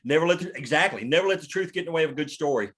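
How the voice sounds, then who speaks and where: A man's voice: fairly high pitch, animated, racing, a bit bright, breathy edge. A man talking casually and emphatically as a screenwriter, explaining his thinking in a rambling way. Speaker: screenwriter leading a script table read. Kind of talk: casual discussion.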